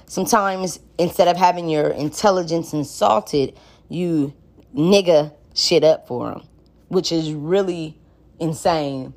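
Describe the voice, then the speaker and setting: Low-pitched woman with African American accent. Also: takes it slowly, darkish tone. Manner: blunt, heavy casual swearing and slang. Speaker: podcast host. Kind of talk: candid casual monologue.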